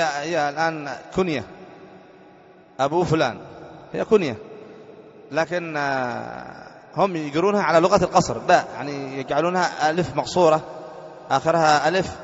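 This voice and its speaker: Sheikh quizzing grammar students. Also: male voice, fairly high pitch, gravelly, in a large hall, dull audio. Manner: quizzes students with rhetorical questions; reads a text aloud slowly, then explains it. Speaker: sheikh teaching Arabic grammar. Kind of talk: classroom grammar lesson.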